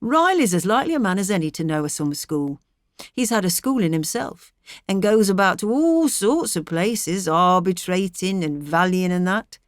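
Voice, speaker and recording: A woman's voice: on the low side, expressive, normal speed, dry recording, clean studio sound, close to an everyday voice. A woman voicing a stubborn, blustering middle-aged miller with a rural English accent, in emphatic, ruminating dialect, for an audiobook. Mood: pleased, musing.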